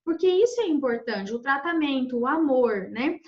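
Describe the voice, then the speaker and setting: A woman's voice: sits high, lively intonation, normal speed, roomy sound, highs cut off. A woman moderating a casual live discussion among teachers, reading out viewer comments and adding reassuring remarks with frequent tag questions.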